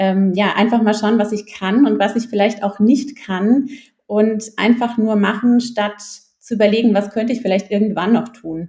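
A woman speaks in a fairly high, somewhat breathy voice. Her intonation is fairly even. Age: 30s. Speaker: startup founder from HR. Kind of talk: interview.

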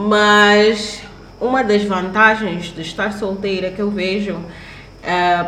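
Recorded with noticeable background noise and audible room echo, a woman talks at a medium pitch with fairly even intonation. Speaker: podcast co-host. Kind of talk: casual chat. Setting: recording on a year-end trip.

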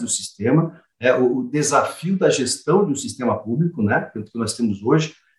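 A man speaks with very wide pitch swings. His voice has vocal fry. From Curitiba, southern Brazil. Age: 50s. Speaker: pediatrician and health executive. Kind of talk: casual interview. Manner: halting, many fillers.

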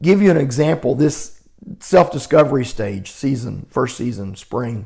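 A somewhat breathy man's voice, fairly high in pitch. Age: 50s. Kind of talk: solo podcast monologue. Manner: halting, frequent fillers and repeats.

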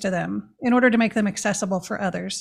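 A somewhat breathy voice with an American accent, on a very clean recording with a silent background. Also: woman.

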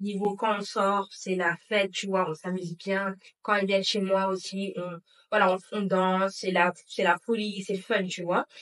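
The woman speaks fairly slowly in a monotone, flat intonation. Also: medium pitch for a woman. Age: 20s. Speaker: podcast guest, host's best friend. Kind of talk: casual chat. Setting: pyjama party chat.

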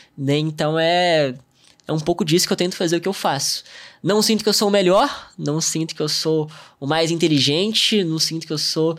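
On a very clean recording with a silent background, a man talks at a moderate pace. He has an ordinary speaking voice with a fairly high pitch. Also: fairly even intonation. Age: 20s. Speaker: e-commerce entrepreneur and course creator. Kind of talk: interview conversation.

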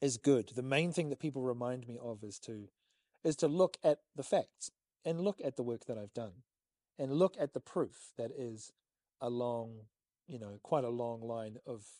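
Big swings in loudness mark this man's speech. He has a dark, mellow tone and a New Zealand accent. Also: dry, close sound with no echo. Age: 40s. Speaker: actor and stuntman. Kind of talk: interview. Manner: frequent laughter.

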